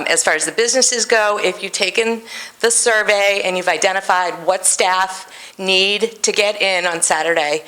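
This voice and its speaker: Woman info officer, lowish bright voice, practical, lots of ums. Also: poor audio. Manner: practical, explanatory with fillers. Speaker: public information officer. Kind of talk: public meeting briefing.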